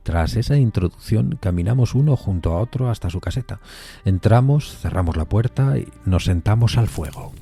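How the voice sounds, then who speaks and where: Rational gentleman narrator, very dark mellow timbre, measured, literary audio fiction, music behind. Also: fairly low pitch, expressive, gravelly. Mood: measured, suspenseful. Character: composed, rational gentleman visitor narrating an eerie tale.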